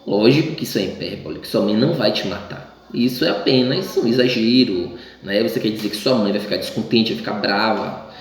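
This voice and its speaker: A man's voice: lowish voice, fairly quick. Chatty male teacher in an echoey room. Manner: chatty, acts out quoted voices, many restarts. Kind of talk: recorded class lesson.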